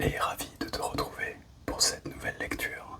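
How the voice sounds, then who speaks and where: A man whispers over noticeable background noise. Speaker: ASMR book-reading channel host. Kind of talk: casual intro to the viewer. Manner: whispered, soft.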